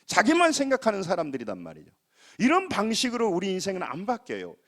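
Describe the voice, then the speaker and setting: A man's voice: high voice, wildly swooping pitch, fast, a bit bright. A middle-aged man with a Jeolla Korean accent, preaching a sermon to his congregation with emphasis. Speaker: pastor.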